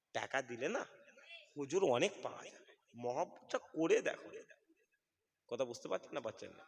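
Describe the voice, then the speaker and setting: A man's voice: medium pitch, creaky, long reverb tail. A man preaching a fiery sermon under a tent, calling out questions to the crowd. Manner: calls out to the audience, asks questions and shouts. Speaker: preacher at a religious gathering. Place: tented outdoor gathering.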